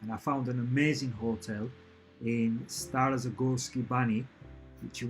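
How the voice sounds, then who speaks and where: A channel host answers live questions from his home, where family and a cat are close by. His mid-range voice is steady and a little slow, with faint music behind, and he rambles in an upbeat way, often restarting what he's saying.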